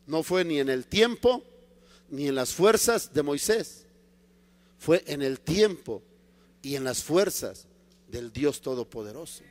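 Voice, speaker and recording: Male pastor, high-pitched, dramatic sermon delivery, echoing church. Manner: dramatic preaching, dropping to quiet low emphasis. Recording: long church reverb.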